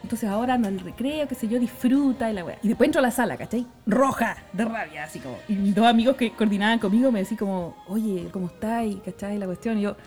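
Chilean girl talking super fast, high voice, slangy and laughy, faint music behind. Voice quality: slangy, animated, laughs often. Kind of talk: casual storytelling monologue.

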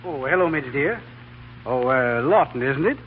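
A man's voice: medium pitch, lively intonation, normal speed, narrow, tinny audio, slight background noise, close to an everyday voice. An actor playing a mild, absent-minded middle-aged father in a 1930s radio comedy, speaking politely and hesitantly. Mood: mild, puzzled. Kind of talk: 1930s radio drama acting. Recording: thin 1930s radio broadcast.

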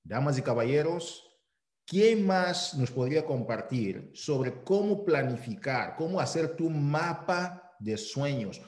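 A man's voice: a little high, animated, takes it slowly, darkish tone, reverberant. A man hosting a motivational call, praising the team and introducing a guest speaker in an upbeat, announcer-like way. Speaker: host of a weekly call.

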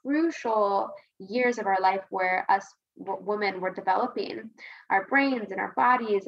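Earnest woman guest, slightly muffled podcast audio. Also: medium pitch. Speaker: podcast guest, women's health advocate. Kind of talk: casual conversational interview answer.

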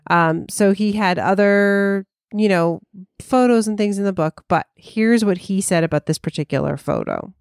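A woman co-hosting a casual podcast, chatty and quick to laugh, reading passages aloud. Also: medium pitch, smooth, no room sound, studio quality. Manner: chatty, laughs easily, reads quotes aloud. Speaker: podcast co-host. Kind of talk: casual chat.

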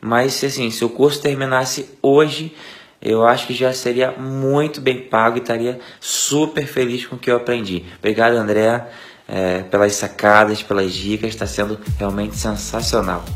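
A man in his thirties with a Rio de Janeiro accent gives an earnest testimonial about a course. He hesitates often and fills pauses as he goes, with a voice of middling pitch. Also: steady tone. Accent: Brazilian, Rio de Janeiro. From Rio de Janeiro state, Brazil. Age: 30s. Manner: hesitant, many fillers, earnest. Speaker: course student giving a testimonial.

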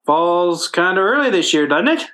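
A hapless working-class family man played by a male actor in an old-time radio sitcom. He blusters and stammers in folksy, ungrammatical speech, his pitch lurching up and down. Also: very animated, moderate pace, bright, forceful tone, heavily acted. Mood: sheepish, worried.

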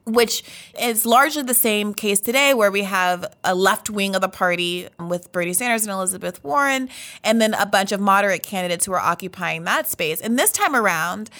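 A woman's voice: medium pitch, expressive, brisk, pushed and bright. A woman hosting an interview, earnest and effusive, asking long winding questions. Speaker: host.

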